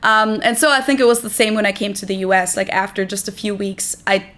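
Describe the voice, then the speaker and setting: A young woman from Germany talks through her experiences in casual English with a German accent. Her voice sits at an ordinary middle pitch. She keeps a relaxed, rambling flow, peppered with "like" and small laughs. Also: fast. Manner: relaxed, chatty, lots of "like" fillers and light laughs. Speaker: interview guest. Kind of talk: casual chat.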